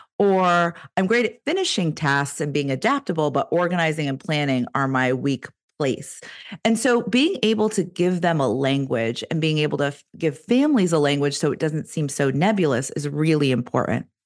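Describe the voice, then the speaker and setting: A woman with an American accent and a very deep, low pitch speaks with lively intonation and very even loudness. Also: moderate pace. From New England (rural Connecticut). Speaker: author and educator. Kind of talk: interview. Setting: video call.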